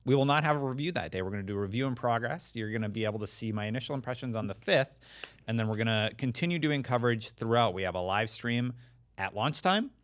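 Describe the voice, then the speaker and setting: Man, average pitch, casual panel chat, podcast panelist. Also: fast talker, fairly bright tone.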